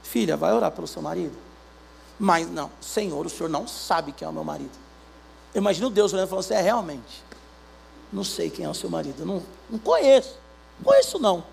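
A Brazilian pastor preaching a sermon, acting out little dialogues between God and believers in an animated way. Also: male voice, high voice, quick pace, creaky, slight background noise. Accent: Brazilian Portuguese.

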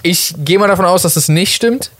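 A man with a fairly high voice talks in a relaxed podcast chat, playful and quick to laugh as he tests his co-host. The sound is dry and close, with almost no room around it. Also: dry recording.

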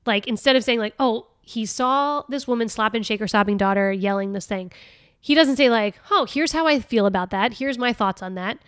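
A woman hosting a casual solo podcast, chatty and laughing often, reading passages aloud with lively expression. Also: on the high side, a little fast, clear, resonant tone, no room sound, studio quality. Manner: chatty, laughing often, with many fillers and restarts. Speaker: podcast host.

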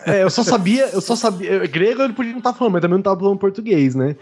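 A man in his thirties, a podcast co-host, telling animated stories in casual chat and swearing freely. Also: sits high, racing, slightly rough.

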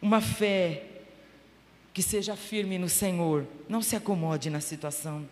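A woman missionary with a Brazilian accent preaching a sermon fervently, her voice swelling to loud exclamations. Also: on the low side, measured pace, slight background noise. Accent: Brazilian Portuguese. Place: church hall. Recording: echoey church hall.

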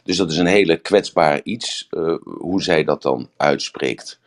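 Older male group leader, voice extremely low, rambling and anecdotal delivery. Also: unhurried. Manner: rambling, searching for words, with anecdotes. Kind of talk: casual talk.

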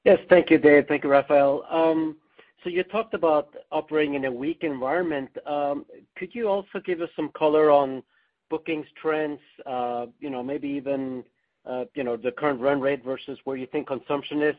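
A man's voice: a little high, steady tone, moderate pace. A man calling in as an analyst, politely putting a question on an earnings call. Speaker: analyst caller. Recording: tinny, narrow phone line.

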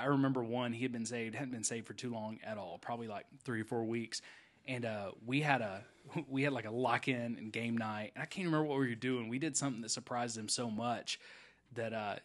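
Man, podcast host, former student pastor, casual animated storyteller, mid-pitched voice. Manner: animated storyteller, frequent "right?" and "okay?" tags. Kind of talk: casual chat.

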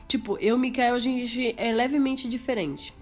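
A Brazilian woman with a somewhat high voice and a nose blocked by a cold co-hosts a relaxed podcast. She talks in a chatty, explaining way, leaning on everyday examples to make her point. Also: moderate pace, soft background music. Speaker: podcast co-host. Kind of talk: casual chat.

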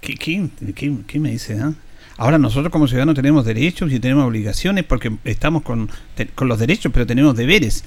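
A man hosting a radio show, jumping in with quick remarks. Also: medium pitch, expressive. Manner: quick, interjecting. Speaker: radio host. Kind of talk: radio talk.

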